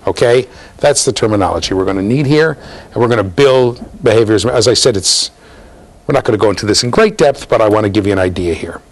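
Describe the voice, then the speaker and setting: Fast and on the low side, a middle-aged man runs an interactive university lecture, quizzing students along the way. He stays lively and gestures as he talks, from a bookshelf office linked up to a classroom.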